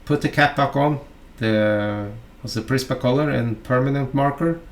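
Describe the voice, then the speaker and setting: Narrating a fly-tying tutorial, a man from Norway speaks with a Norwegian accent in a hesitant, talkative style laced with fillers and asides. His pitch is medium.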